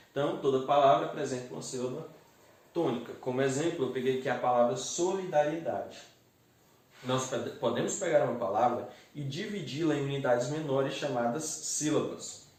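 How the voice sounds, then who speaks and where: A man's voice: medium pitch, darkish tone. A male teacher explaining a grammar lesson step by step and often checking in with his students. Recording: echoey room, mic set far off.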